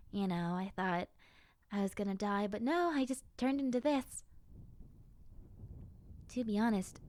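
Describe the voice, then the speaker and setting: A kind young zombie girl, acted by a woman in an audio roleplay. Her voice sits fairly high, and she talks directly to the listener in a soft-hearted, conversational way. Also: no echo, lightly acted.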